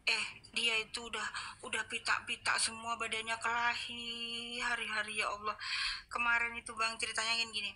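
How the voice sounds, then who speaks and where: A woman with a bright, fairly high voice chats casually late at night. She tells her stories in an animated way, often sighing in dismay. She talks like a fitness instructor unwinding with a friend. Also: fairly quick. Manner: animated storyteller, sighs of dismay.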